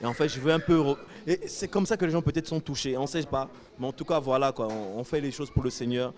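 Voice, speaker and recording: A man interviewed after a church event, giving a spontaneous testimony with many pauses and fillers. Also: medium pitch. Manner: hesitant, many fillers, grows animated.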